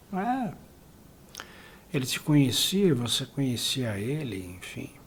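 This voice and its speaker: A man talks at a very slow pace in a somewhat breathy, medium-pitched voice. His pitch swings very widely. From Brazil, São Paulo. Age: 70s. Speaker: holistic therapist and course instructor. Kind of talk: informal talk to camera.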